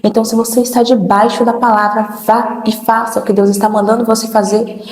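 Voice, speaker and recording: A woman's voice: fairly high pitch, little pitch movement, brisk, darkish tone. Earnest woman preacher in an echoey room. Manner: earnest, personal storytelling, often quoting God's words. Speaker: Christian preacher and channel host. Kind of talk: devotional testimony sermon.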